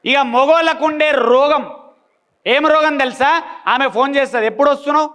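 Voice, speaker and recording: A man's voice: very high-pitched, a little slow, a bit bright. A man giving a blunt motivational talk, full of repeated rhetorical questions. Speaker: motivational speaker.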